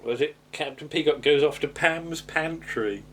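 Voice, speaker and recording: A man hosting a podcast casually recaps an episode of a TV sitcom, chatting a little hesitantly in a rambling way and chuckling as he goes. His voice is slightly high and unhurried, with slight background noise.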